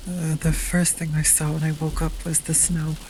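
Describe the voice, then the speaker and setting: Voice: medium pitch, little pitch movement, moderate pace, a little mellow, close to an everyday voice, low-quality recording. An actor playing a frightened teenage captive, narrating an audio drama in a somber, dramatic way. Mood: somber, groggy. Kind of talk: scripted first-person audio drama narration. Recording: music bed under the voice.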